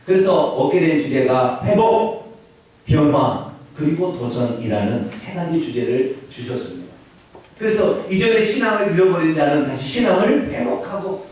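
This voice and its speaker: A male pastor preaching a sermon in a church, with animated, emphatic calls to the congregation. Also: high-pitched. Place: church sanctuary. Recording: echoey church hall, distant mic.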